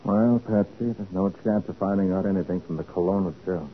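An actor playing a brisk, persistent male private detective in 1940s radio style, with a questioning manner. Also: low-pitched, natural voice. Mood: brisk, determined. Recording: narrow, noisy old 1940s radio recording.

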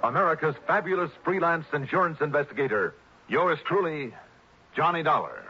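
A man announcing a 1960s radio drama in a booming, showy manner. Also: animated, normal speed, lo-fi sound. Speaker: network announcer. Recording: vintage radio broadcast over loud music.

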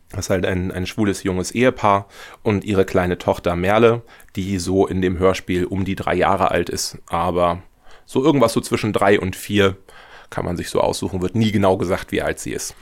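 A young man being interviewed about his audio drama, speaking in a reflective, earnest way. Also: low-pitched. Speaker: guest, audio drama author. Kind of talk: podcast interview.

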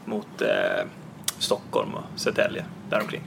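Gravelly man with wry remarks. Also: on the low side, flat delivery, fairly bright tone, slight background noise. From Skåne. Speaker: podcast panelist. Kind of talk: casual podcast chat.

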